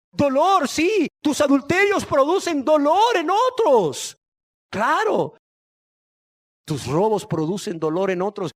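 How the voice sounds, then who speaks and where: Man, pastor, emphatic sermon, lively swooping pitch, dry close sound. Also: dry recording. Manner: emphatic, asks the congregation questions and answers them; repeats key words for emphasis.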